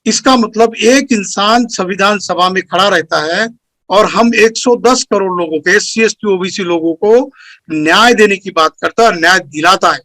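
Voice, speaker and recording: High-pitched man giving an earnest speech. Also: sharp tone, dry recording. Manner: earnest, lecturing, lists points one by one. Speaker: speaker at a community meeting. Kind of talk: formal speech.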